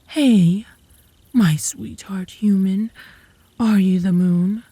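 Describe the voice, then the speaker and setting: Woman acting as a lovesick werewolf, smug, teasing, seductive, mellow soft-edged voice, slightly breathy, ASMR roleplay. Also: mid-range voice, steady tone, slow pace, dry recording. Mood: flirty, seductive.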